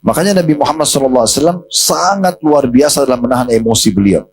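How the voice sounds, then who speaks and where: Guy preaching fast in a mosque, chatty, talks right to the crowd, faint hum behind. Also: mid-range voice, poor audio. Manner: conversational, addresses the congregation directly; retells a story with quoted dialogue. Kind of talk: sermon.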